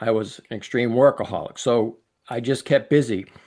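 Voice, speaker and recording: Against a quiet background, a man with a Boston accent speaks at a moderate pace with ordinary pitch variation. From Boston area, Massachusetts. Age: 70s. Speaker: abuse survivor advocate and musician. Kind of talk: interview testimony.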